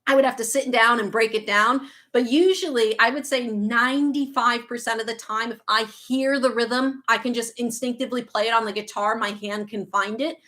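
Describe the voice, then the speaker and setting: Pitched fairly high with a fairly bright tone, this woman in her thirties has a faint Boston accent. She teaches guitar and talks casually during a livestream, taking viewer questions, reading comments out and making quick side remarks.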